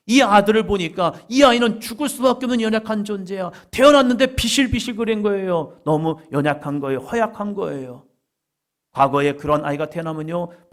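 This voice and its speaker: A man preaching a sermon as pastor in a church, building to emphatic, repeated appeals. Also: on the high side. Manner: emphatic preaching with rising fervor and repetition.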